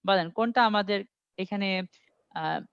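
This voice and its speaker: A man tutoring an online IELTS class, reading English sentences slowly and quizzing his students step by step. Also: high-pitched, gravelly, a bit bright, clean tone, no echo. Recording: dry, dull lo-fi audio.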